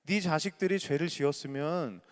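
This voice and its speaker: A man's voice: on the high side, moderate pace, natural voice. A man doing blunt, scolding Bildad. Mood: harsh. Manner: blunt, rude, lecturing. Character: scolding self-righteous male friend Bildad. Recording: echoey church hall.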